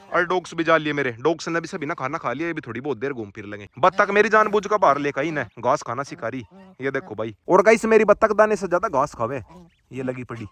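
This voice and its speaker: A man, talking casually to his viewers while he walks his dog farm and shouts to his dogs. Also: a little high. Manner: calls out loudly to his dogs. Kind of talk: casual vlog commentary.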